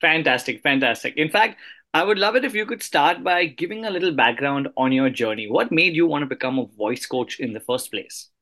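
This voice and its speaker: A man's voice: a little high, lively intonation, fairly quick, sharp tone. A man hosting a podcast interview, speaking in an articulate, polite way. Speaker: podcast host. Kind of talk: podcast interview, scripted introduction.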